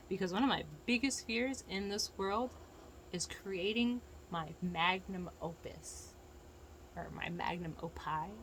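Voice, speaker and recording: A woman's voice: fairly low pitch, gravelly, a bit bright, slight background noise, rough recording. An American woman with a lisp, talking casually and frankly in a rambling, profane, opinionated rant to viewers. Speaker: vlogger giving opinions.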